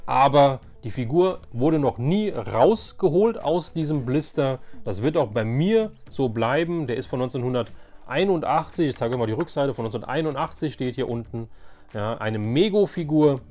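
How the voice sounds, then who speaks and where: A man's voice: medium pitch, darkish tone. A man hosting a collecting video in a casual, chatty and enthusiastic show-and-tell style, often correcting himself as he goes. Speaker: host of a vintage toy collecting channel.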